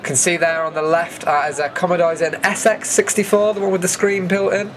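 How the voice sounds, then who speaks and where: A man's voice: high voice, flat delivery, a little fast, slight background noise. A man giving a casual, dryly jokey voice-over commentary as the host of an event video.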